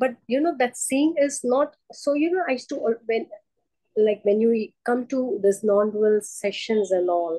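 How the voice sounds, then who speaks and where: At a fairly slow pace, a woman with a fairly high pitch and a dark, mellow tone speaks with lively intonation. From India. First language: an Indian language. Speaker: spiritual seeker, meditator. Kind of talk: spiritual conversation, personal testimony.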